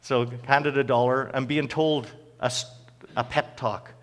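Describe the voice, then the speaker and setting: A middle-aged man from Northern Ireland with a Northern Irish accent gives his testimony to a church crowd. He talks in a conversational, halting way, stopping to restart his sentences. His voice sits at an ordinary pitch and rings out with a long echo in a hall. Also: fairly even intonation, fairly bright tone. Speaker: speaker giving a testimony. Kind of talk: personal testimony to a church audience.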